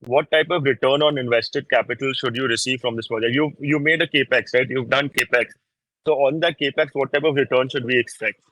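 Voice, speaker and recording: A man's voice: mid-range voice, fairly even intonation, a little fast, sharp tone, no echo, low-quality recording. A man asking questions as an investor on an earnings call, insistently rephrasing what he wants to know.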